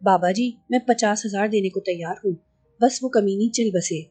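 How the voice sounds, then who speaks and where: Haughty rich lady in her forties, read by a woman, imperious and impatient, dark mellow voice, soft music behind, audio novel. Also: mid-range voice, slightly rough, close to an everyday voice. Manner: imperious, demanding.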